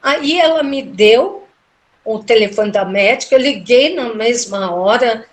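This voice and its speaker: Woman guest, high-pitched, animated storyteller who voices the people in her story. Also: a little slow. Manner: animated, acts out quoted dialogue with big pitch jumps. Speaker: interview guest, tarot reader. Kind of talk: emotional personal storytelling.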